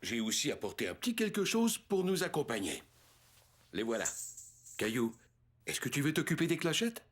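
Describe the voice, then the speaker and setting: A man voicing a kindly, playful old grandfather in a French children's cartoon, with a warm, teasing manner. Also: a little high, sing-song, moderate pace, long pauses. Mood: cheerful. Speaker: voice actor. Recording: studio voice over music.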